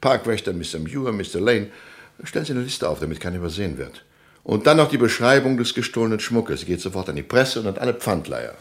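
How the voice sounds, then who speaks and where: A man acting a brisk, cocksure small-town police commissioner in a radio crime drama, businesslike and commanding. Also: on the low side, big pitch swings. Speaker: actor in a radio crime play.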